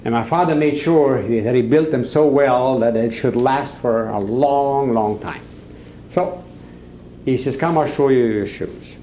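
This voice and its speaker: An older man giving recorded testimony as a survivor. He tells his story with animation and acts out the shouting in his quotes. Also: medium pitch, measured pace, a little hiss or hum. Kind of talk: recorded oral history. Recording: echoey archival interview recording.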